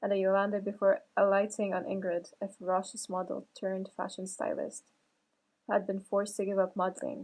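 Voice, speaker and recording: The speaker is soft-spoken, with a gentle tone and a moderate pace. The recording is very clean, with a silent background. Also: woman. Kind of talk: soft-spoken ASMR book reading for sleep. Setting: ASMR with tapping and paper sounds close to the microphone. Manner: soft-spoken, gentle.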